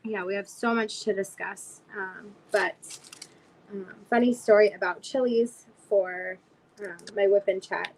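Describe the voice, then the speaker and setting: A woman's voice: medium pitch, fairly even intonation, unhurried, low-quality recording. A woman in her twenties hosting a casual livestream chat, rambling with lots of fillers, her voice worn out and nearly gone. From South Florida. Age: 20s. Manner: chatty, rambling with many fillers. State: lost her voice. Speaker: livestream host.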